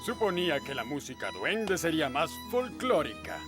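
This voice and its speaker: A man with a Latin American Spanish accent playing a snooty, condescending king in a cartoon, with pompous drawn-out phrasing. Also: fairly high pitch, very animated, over loud music.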